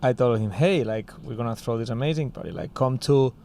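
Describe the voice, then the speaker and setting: A man's voice: mid-range voice, brisk, darkish tone, a little hiss or hum. Spanish-accented man telling a story. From Spain. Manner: storytelling, many fillers like "you know" and "like". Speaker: co-founder of a music school. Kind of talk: casual podcast chat.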